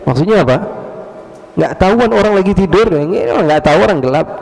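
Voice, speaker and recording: A male preacher delivers a sermon, telling stories and pausing on rhetorical questions. His voice is gravelly with plenty of fry, and it sits a touch high for a man. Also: lively intonation, darkish tone, poor audio. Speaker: Islamic preacher.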